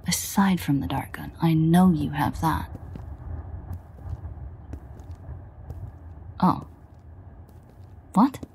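A woman playing a sardonic, exasperated vampire in an audio roleplay, grumbling and swearing in a husky near-whisper. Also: sits low, dark tone, slight background noise. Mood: wry. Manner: sarcastic, profane, grumbling. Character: sardonic, exasperated female vampire, reluctant ally. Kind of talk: audio roleplay addressed to the listener.

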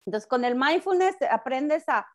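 A middle-aged woman with a Mexican accent talks in a loud, high voice that sounds close to shouting. She chats casually as a guest on a talk show, often breaking off and repeating herself. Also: expressive, normal speed. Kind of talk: casual chat.

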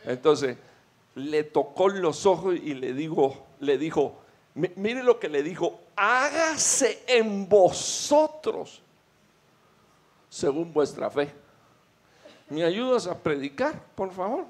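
A man's voice: a little high, animated, a little slow, darkish tone. A middle-aged man preaching a sermon fervently, telling of his own experiences and calling listeners brother.

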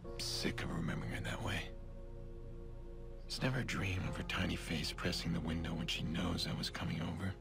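An actor playing a brooding, grief-worn vigilante in a video game, speaking in a gravelly, weary, somber monologue. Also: male voice, deep voice, fairly even intonation, fairly quick. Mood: haunted, weary. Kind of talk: cinematic video game voice acting. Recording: music under the voice.

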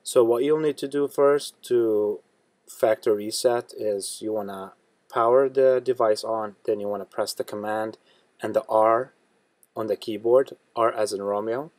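Low-voiced man giving tech tutorial. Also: fairly even intonation, a little slow, darkish tone, no echo. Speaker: tutorial host. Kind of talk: step-by-step tech tutorial narration.

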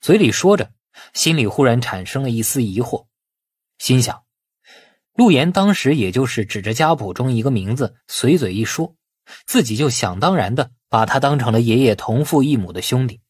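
A male audiobook narrator reads scripted fiction in dramatic fashion. His mid-pitched voice has a husky grain, recorded very dry. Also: lively intonation, moderate pace, a little mellow, no echo.

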